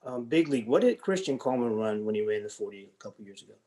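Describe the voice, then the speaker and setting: A man of average pitch chats casually on a sports panel. He talks quickly and his intonation swings in a lively way.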